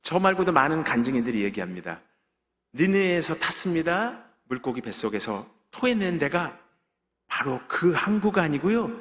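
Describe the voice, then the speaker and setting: A man's voice: a little high, very animated, normal speed, a bit bright. A middle-aged man, a pastor, giving an emphatic testimony sermon in a church sanctuary, punctuating points with amens. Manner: emphatic preaching with frequent amens and call-and-response. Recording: long reverb of a church sanctuary.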